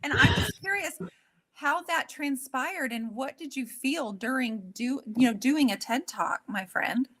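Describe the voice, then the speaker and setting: Female co-host, very high swooping voice, gushing and affectionate in casual chat. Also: animated, unhurried, a bit bright. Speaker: talk show co-host. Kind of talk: casual supportive talk show chat.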